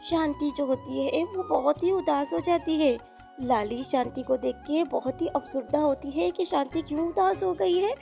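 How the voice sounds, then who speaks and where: A woman's voice: high-pitched, normal speed, gravelly, dark tone, faint music behind. A woman narrating a children's moral story in an informal, explanatory way.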